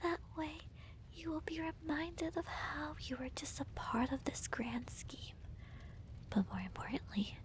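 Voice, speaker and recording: A woman playing a smug, theatrical villainess who gloats to her hero in a soft, breathy, deliberate whisper, as an ASMR roleplay. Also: sits high, animated, slight background noise. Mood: menacing, teasing. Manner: slow, deliberate, teasing, theatrical.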